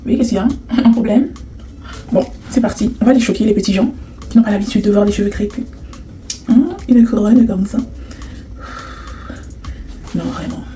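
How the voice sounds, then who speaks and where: A woman's voice: mid-range voice, normal speed, pauses often, mellow, faint music behind. A woman vlogging casually to camera in a sassy, teasing way, laughing often. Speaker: hair vlogger.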